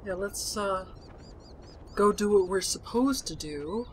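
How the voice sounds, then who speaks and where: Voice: medium pitch, animated, slow. A gamer giving irreverent game commentary in a brash manner, swearing heavily, over game sound. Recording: clear background noise from game. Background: game audio with outdoor ambience.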